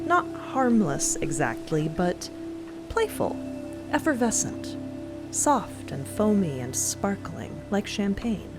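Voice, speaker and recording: A woman's voice: mid-range voice, sing-song, takes it slowly, music in the background. A woman narrator reading scripted audio fiction.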